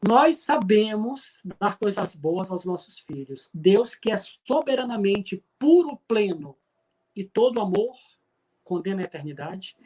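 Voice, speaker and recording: A middle-aged man from Pará, Brazil, with a regional accent, giving an emphatic, preacher-like spiritist talk with frequent filler pauses. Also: sits high, sing-song, a little mellow, a little hiss or hum, low-quality recording. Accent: Brazilian Portuguese from Pará. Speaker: spiritist speaker.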